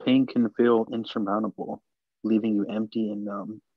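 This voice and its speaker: Man reading a gentle reverend, low voice, dull dry lo-fi sound. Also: fairly even intonation, no echo. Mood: consoling. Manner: measured, preaching. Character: calm small-town reverend. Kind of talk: script table read.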